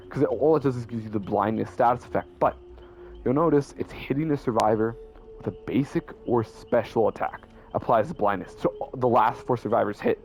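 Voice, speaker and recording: A man's voice: mid-range voice, a little mellow, highs cut off. A young man casually explaining his game builds as a YouTuber, rambling and correcting himself as he goes. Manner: rambling, self-correcting, stutters. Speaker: gaming YouTuber.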